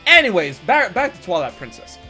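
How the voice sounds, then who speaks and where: A man hosting a casual gaming chat, excitable and talking fast when heated, stumbling and repeating words as he goes. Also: sits high, faint music behind. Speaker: podcast host.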